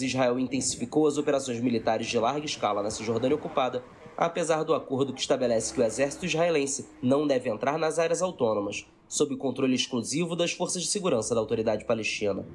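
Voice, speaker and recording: A man's voice: medium pitch, slight background noise. A Brazilian man narrating a scripted news report as a voice-over.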